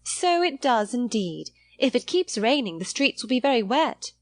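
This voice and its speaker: A woman's voice: a little high, big pitch swings, normal speed, no room sound, voice pushed up. A woman voicing a placid, trivial-minded married lady in a period novel audiobook, chatting in a mildly fretful manner. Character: placid, trivial-minded middle-aged married lady, fussy about clothes.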